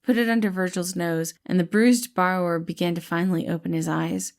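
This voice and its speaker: A woman's voice: lowish voice, steady tone, a little fast. A woman narrating a scripted story as an audiobook-style reader of fan fiction.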